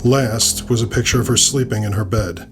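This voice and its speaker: A man's voice: lowish voice, normal speed, music in the background. A man narrating scripted urban fantasy fiction in the first person, with a dry, wry delivery.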